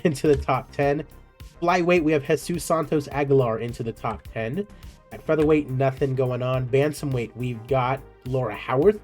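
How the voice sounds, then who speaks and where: A man's voice: mid-range voice, darkish tone. Casual male gaming commentator. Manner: conversational, offhand remarks and asides. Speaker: video game series host. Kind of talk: casual commentary on a simulated MMA career.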